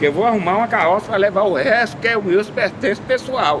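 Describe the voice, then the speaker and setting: Speaking fairly quickly with lively intonation, a man uses a high pitch over noticeable background noise. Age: 30s. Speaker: homeless man. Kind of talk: interview.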